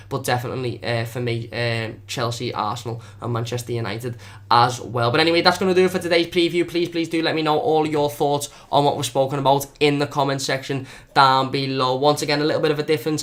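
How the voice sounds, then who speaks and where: Young Scouse male fan vlogger, quick and earnest with a narrow pitch range, repeats himself for emphasis. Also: fairly bright tone. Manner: repetitive, earnest, doubles his words. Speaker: fan channel host. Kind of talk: football preview vlog.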